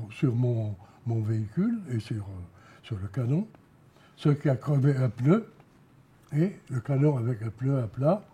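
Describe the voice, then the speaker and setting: An elderly man from Alsace recounting memories as an eyewitness, halting, repeating words and pausing between short phrases. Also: medium pitch, warm tone, breathy edge. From Alsace, France. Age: elderly, around 90. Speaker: war veteran giving eyewitness testimony. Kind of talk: spoken testimony, recounting memories.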